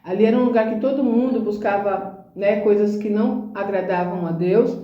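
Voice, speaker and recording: A woman's voice: mid-range voice, normal speed, roomy sound, muffled recording. A woman giving a conversational sermon, speaking earnestly and emphatically and often asking rhetorical questions. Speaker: Christian speaker.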